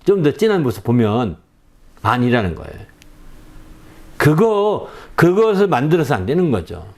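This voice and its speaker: A middle-aged male pastor giving a conversational sermon, often checking in with the congregation with a quick "eh?". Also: medium pitch, very animated, darkish tone.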